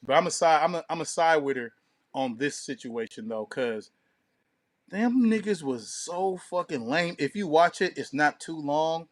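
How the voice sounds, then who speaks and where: A man's voice: fairly high pitch, animated, normal speed, dry recording. A man co-hosting a podcast in casual, profane, slang-heavy talk, often acting out what people said. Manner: slangy and profane, acts out quotes. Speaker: podcast co-host. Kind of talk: casual chat.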